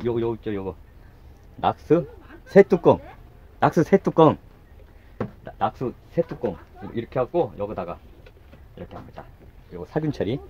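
Outside by a house, a middle-aged man who hosts a gardening channel shows his work in a relaxed way, talking as he goes, muttering asides and repeating short words. His voice is on the low side and a little mellow, with the highs cut off in the recording.

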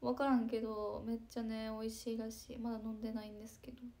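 A young woman chats breezily on a live stream. Her voice sits a little high, and she drifts into hushed asides as she reads the comments. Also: little pitch movement, racing, a little hiss or hum. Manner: chatty, breezy, drops into soft asides. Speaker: idol livestreamer reading chat comments. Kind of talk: casual live-stream chat.

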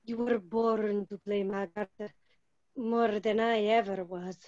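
A languid, haughty opera diva, played by a woman in a staged reading. She speaks slowly in a medium-pitched voice. The video-call sound is dull and lo-fi. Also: fairly even intonation, darkish tone, no echo, lightly acted. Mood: languid, faintly condescending. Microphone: phone or computer on video call.

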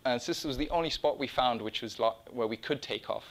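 In an indoor meeting room or small lecture room, a middle-aged man gives an informal, slide-based conference-style talk about his own project. His voice is medium-pitched, fairly quick and a bit bright, with slight background noise. His phrasing is conversational and he interrupts himself.

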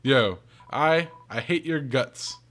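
A man voicing a clumsy, excitable young monster in a video game, hesitant and slangy, stammering as he goes. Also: mid-range voice, slow pace. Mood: nervous, awkward. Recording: game music behind the voice.

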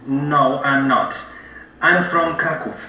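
A man plays a friendly adult man in a scripted textbook dialogue. The voice is bright and lively, and the pace is slow and carefully enunciated. It sounds dull and roomy, heard from some distance with faint ambience. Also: mid-range voice. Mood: plain. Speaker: recorded course narrator and dialogue speaker. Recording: roomy, dull audio played through a speaker.

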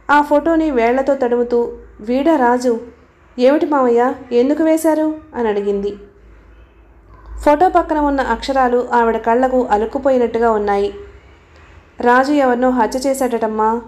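A woman's voice: a little high, darkish tone. A woman narrating a novel as an audiobook, reading the characters' dialogue within the story.

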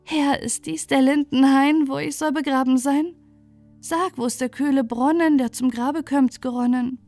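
A woman voicing a gentle, devout young wife in a fairy tale, earnest and pleading in anguish. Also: high-pitched, steady tone, normal speed, voice pushed up. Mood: meek, solemn. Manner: plaintive, earnest lamenting. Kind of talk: fairy-tale storybook acting. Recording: music bed under the voice.

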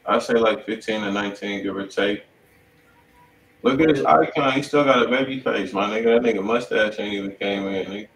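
A man's voice: fairly low pitch, a little fast, fairly bright tone. An American man co-hosting a livestream with casual, slangy banter. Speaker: livestream co-host. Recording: roomy, distant mic, faint noise.

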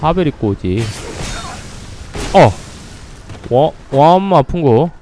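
A man's voice: fairly high pitch, sing-song, normal speed, mellow, faint music behind. A man giving casual, playful commentary over a game he is playing, laughing often and letting out sudden startled exclamations. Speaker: gameplay commentator.

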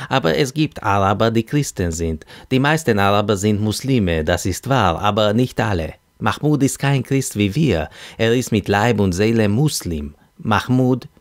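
A man's voice: on the low side, expressive, measured pace, hardly any pauses, no room sound, clean studio sound, voice pushed up. A man voicing a pushy, talkative Arab Christian man who repeats himself pompously, in an audiobook. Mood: insistent. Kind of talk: audiobook character voice.

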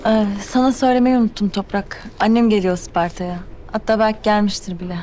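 A young actress playing a scheming rival who talks to others in a sugary, mocking, patronizing way, in a TV drama. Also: female voice, medium pitch, quick pace, natural voice. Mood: defensive. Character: sly, condescending young woman rival. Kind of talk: television drama acting. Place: hotel meeting hall. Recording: scene music underneath.

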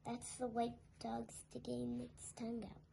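A young girl reading a picture book aloud to small children in a singsong way, with softer asides. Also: on the high side, monotone, a little slow, creaky. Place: living room sofa at home. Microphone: phone held nearby. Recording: home phone recording with background noise.

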